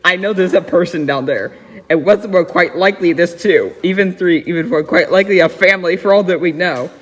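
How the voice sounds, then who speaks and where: A man voicing a gentle, protective storybook elephant with earnest, measured pleading in an amateur reading. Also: high voice. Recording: reverberant hall-like echo.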